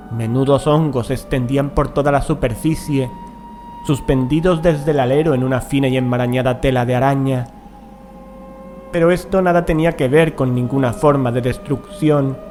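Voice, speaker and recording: A man reading a gothic horror tale as an audiobook narrator, in a measured, deliberate manner with dramatic pauses. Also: medium pitch, a little mellow. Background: music.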